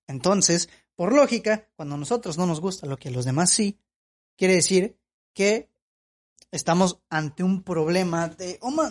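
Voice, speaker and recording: A man giving opinion commentary as a film vlogger. He talks in an emphatic, lecturing way and repeats his points. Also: high-pitched.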